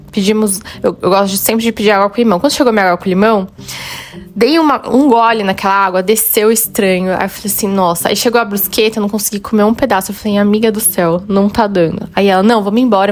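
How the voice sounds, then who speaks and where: A woman with a Brazilian Portuguese accent hosting a podcast, chatting through a personal story with quoted dialogue and then speaking earnestly and encouragingly to her listeners. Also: medium pitch. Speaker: podcast host. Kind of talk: personal storytelling and motivational monologue.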